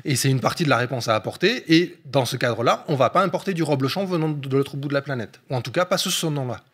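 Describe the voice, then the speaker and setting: A man's voice: mid-range voice, expressive, quick pace, fairly bright tone, slightly rough. A man, an economist guest on a discussion show, explaining at length with frequent hesitation fillers.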